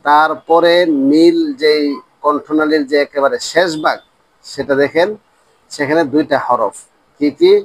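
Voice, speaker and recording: A man teaching a Quran pronunciation class, slowly repeating letter sounds for his students. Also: a little high, fairly even intonation, no room sound, poor audio. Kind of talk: religious lesson on Arabic letter pronunciation.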